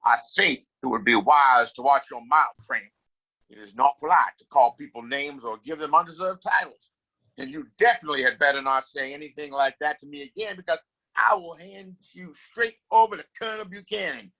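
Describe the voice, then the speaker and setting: Man playing pompous, creaky high-voiced frontier town boss. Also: a little fast, bright, forceful tone, rough recording. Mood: menacing. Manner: grandiose, commanding, wordy. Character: pompous, scheming, ambitious Old West town boss. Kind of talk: audio play acting.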